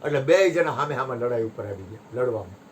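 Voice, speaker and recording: A man giving a satsang discourse, telling parables with sharp rises and drops in his voice. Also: mid-range voice, brisk, slight background noise. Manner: animated storytelling, voice rising and dropping sharply. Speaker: spiritual teacher.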